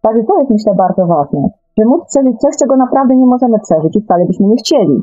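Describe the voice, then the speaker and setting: A woman's voice: on the high side, lively intonation, fast, mellow, soft background music. A woman explaining her points emphatically in an unscripted radio discussion, repeating and rephrasing as she goes. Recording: slightly dull lo-fi radio talk audio.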